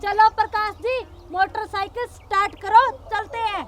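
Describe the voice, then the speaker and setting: Actress as an older rural headwoman mother-in-law, domineering and scolding, very high-pitched. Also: fairly even intonation, moderate pace, background noise.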